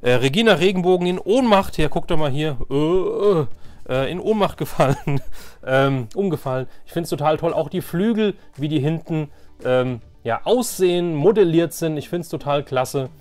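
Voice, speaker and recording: A man's voice: fairly high pitch, normal speed, a little mellow, soft background music. A man hosting a casual show-and-tell collecting vlog, enthusiastic and rambling, often repeating himself. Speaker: host of a toy collecting channel.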